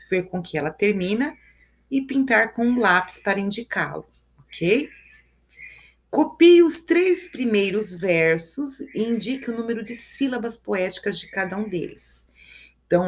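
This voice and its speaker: Brazilian woman teacher, live review class, patient step-by-step explainer who checks in with "né?". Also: mid-range voice. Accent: Brazilian Portuguese. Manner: explains step by step, counts syllables aloud, tags lines with "né?" and "ok?". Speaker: Portuguese teacher.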